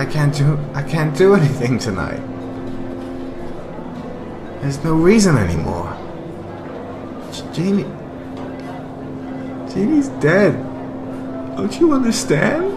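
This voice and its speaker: A man's voice: on the high side, huge pitch swings, takes it slowly, pauses often, noisy background, heavily acted. An actor playing a meek, nervous, stammering man in a radio drama. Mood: shocked grief. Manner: hesitant, stammering.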